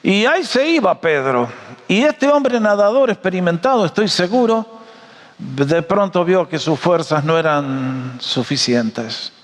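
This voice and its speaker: A man preaching a sermon, animated and joking, often asking his audience questions. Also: high voice, measured pace, in a large hall. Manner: animated, jokey storyteller, asks the audience questions.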